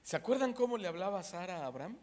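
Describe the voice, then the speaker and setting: A man from Mexico preaching a sermon, swinging between loud emphasis and hushed asides and acting out the voices in his stories. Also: high-pitched, sing-song, quick pace.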